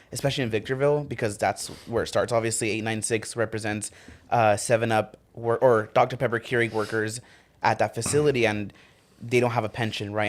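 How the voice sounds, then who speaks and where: A man, a union organizer guest, telling stories in a relaxed, chatty way on a radio talk show. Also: on the low side. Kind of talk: casual chat.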